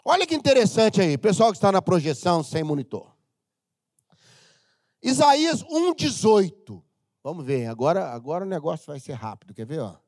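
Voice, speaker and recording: A middle-aged Brazilian man preaching a humorous, animated sermon as pastor of a church, sometimes breaking into shouts. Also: high voice, moderate pace, dry recording, studio quality. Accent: Brazilian Portuguese.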